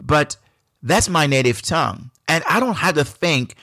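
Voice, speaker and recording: A man from Jamaica with a Jamaican accent, hosting a solo podcast in a reflective, unhurried way with frequent restarts. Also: a little high, lively intonation, sharp tone, no room sound, studio quality. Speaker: podcast host.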